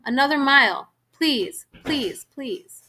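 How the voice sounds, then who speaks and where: A woman's voice: sits high, animated, slow pace, background noise, voice pushed up. A woman doing an anxious, urgent mother. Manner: urgent, pleading.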